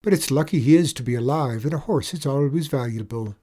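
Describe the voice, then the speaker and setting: A storyteller voicing a soft-hearted, weepy male tradesman with an Irish accent, easily moved to sobbing. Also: medium pitch, brisk, voice pushed up, close to an everyday voice. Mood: sympathetic.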